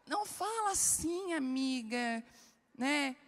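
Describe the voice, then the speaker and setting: A woman's voice: sits high, animated, slow. A woman voicing a two-faced woman friend who gives sugary, falsely concerned advice. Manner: sweet, whiny, falsely concerned. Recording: reverberant hall.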